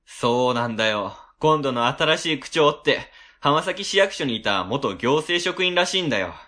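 A man playing a flustered, excitable ward office worker in a radio drama. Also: medium pitch, normal speed. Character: flustered, excitable male civil servant. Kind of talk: amateur web radio drama acting.

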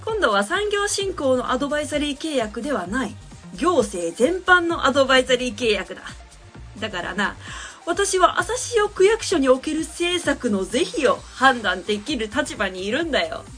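A haughty adviser in a radio play talks down to staff in a high, bright voice that swings widely, acted by a woman. The manner is lofty and commanding, and soft music plays underneath. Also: very animated, normal speed. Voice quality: pompous and commanding. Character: haughty, domineering adviser of uncertain age. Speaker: adviser character. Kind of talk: amateur web radio drama acting.

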